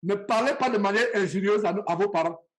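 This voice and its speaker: A man's voice: sits high, a little fast. A man from Cameroon, preaching a sermon and speaking straight to his listeners with passion and repetition.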